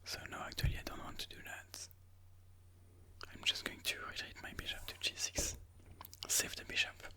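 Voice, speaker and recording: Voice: normal speed, bright, forceful tone. A person whispering breathily in an ASMR style, musing aloud move by move as they comment on their own chess game.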